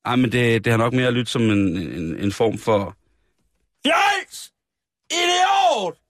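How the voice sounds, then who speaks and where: In improvised comic banter from a radio studio, a male host with a lowish voice reads local police news in a mock-solemn, deadpan way. He uses many fillers and often hesitates and starts over. The studio-quality audio has no echo.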